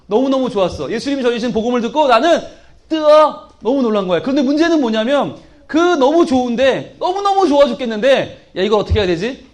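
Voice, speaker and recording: A man voicing the disciple Philip in a children's Bible story, excited and eager. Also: very high-pitched, fast. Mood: amazed.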